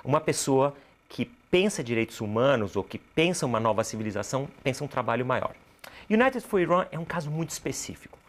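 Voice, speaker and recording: Appearing as an interview guest, a Brazilian cultural producer and activist talks a little fast, his medium-pitched voice swinging widely in pitch. His style is teacherly: he asks himself rhetorical questions and then supplies the answers.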